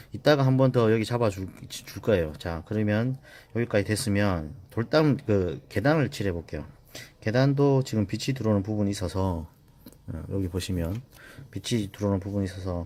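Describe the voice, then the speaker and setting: Ordinary pitch variation marks this man's dark, mellow tone. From Gyeongsang region, South Korea. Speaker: art instructor. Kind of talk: drawing tutorial. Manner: halting, many fillers.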